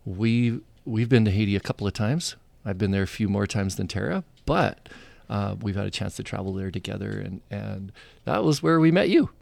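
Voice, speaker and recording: A man co-hosts a casual podcast chat, enthusiastic and quick to laugh. His voice has a gravelly edge and jumps up and down in pitch. The sound is close and dry. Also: animated, darkish tone, dry recording. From Canada. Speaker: podcast co-host.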